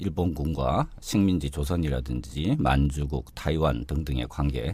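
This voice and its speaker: This man talks at a very slow pace in a very deep, low voice with ordinary pitch variation. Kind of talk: academic, speaking about his field. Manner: dignified, steady.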